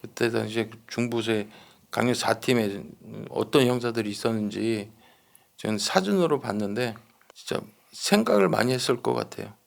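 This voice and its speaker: Gravelly guy doing true crime talk, explains stuff emphatically, repeats himself, checks you agree. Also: medium pitch, normal speed. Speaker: true-crime commentator with detective background. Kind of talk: conversational case commentary.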